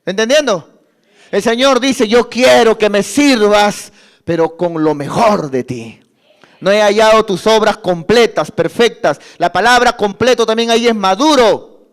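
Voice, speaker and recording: A man's voice: high voice, unhurried, clear, resonant tone. A man preaching a sermon as pastor, impassioned and acting out the excuses of church members.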